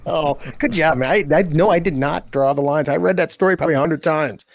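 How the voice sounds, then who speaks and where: A man chatting casually as a podcast host, informal and enthusiastic, quick to exclaim. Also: fairly high pitch, gravelly. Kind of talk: casual chat.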